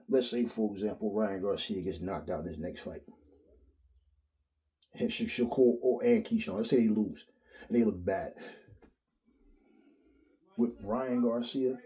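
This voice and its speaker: A man, giving a blunt, profane, animated solo rant as a boxing commentary host. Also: on the low side. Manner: blunt, profane, animated, mimics others in quotes.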